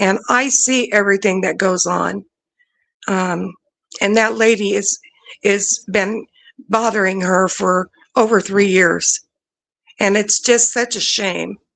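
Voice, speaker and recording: A woman at medium pitch with vocal fry, fairly even intonation, a very slow pace and long, frequent pauses. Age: 60s. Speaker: social media page admin. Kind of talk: testimony. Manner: halting.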